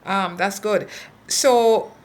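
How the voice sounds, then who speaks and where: A woman's voice: medium pitch, extremely slow. A woman hosting a casual interview, chatty and eager, often laughing and urging her guest on. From Jamaica. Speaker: vlog host.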